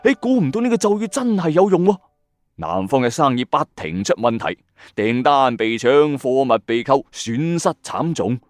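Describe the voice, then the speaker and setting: Animated Hong Kong Cantonese male storyteller. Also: medium pitch, moderate pace, dry recording. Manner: suspenseful, colloquial, exclamatory asides. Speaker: host of a ghost story audio channel. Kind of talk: dramatic late-night storytelling narration. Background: background music.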